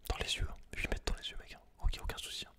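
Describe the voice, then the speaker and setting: A man's voice: rapid-fire, sharp tone. Whispering man, ASMR host. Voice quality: breathy, unvoiced whisper. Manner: informal, slangy asides to the listener. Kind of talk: whispered ASMR reading aloud with casual asides.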